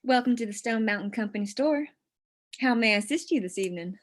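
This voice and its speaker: An actress playing a self-possessed, flirtatious store clerk in a script table read, with a dry, teasing delivery. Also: female voice, fairly high pitch, lively intonation, fast talker, close to an everyday voice. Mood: wry, guarded.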